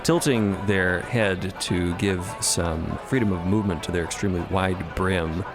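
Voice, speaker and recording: Low-voiced male storyteller over loud music. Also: measured pace. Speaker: narrator. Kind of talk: scripted audio drama narration.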